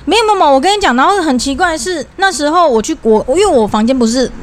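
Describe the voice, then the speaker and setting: A young woman, co-hosting a podcast in casual chat and telling an eerie experience excitedly, with frequent restarts. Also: high-pitched. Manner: excitable, hurried, restarts often. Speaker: podcast co-host.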